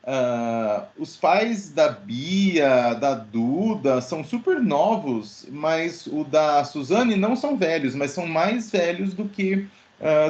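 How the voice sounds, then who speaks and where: A man teaching an online English class, explaining grammar and quizzing students by name. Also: on the high side. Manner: lively, questioning, addresses students by name. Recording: dull lo-fi audio.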